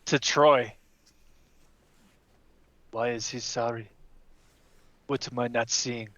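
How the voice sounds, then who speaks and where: A man playing a tabletop game, speaking in character with measured, deliberate phrasing. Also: mid-range voice, fairly even intonation, a bit bright, lo-fi sound. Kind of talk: in-character roleplay mixed with casual play.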